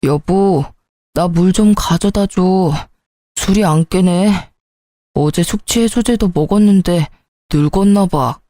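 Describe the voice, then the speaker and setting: A woman's voice: fairly low pitch, slow pace, mellow, dry recording, studio quality. A woman voicing a defensive, hungover married man in a dramatized story reading, talking in a petulant, self-justifying way. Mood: groggy.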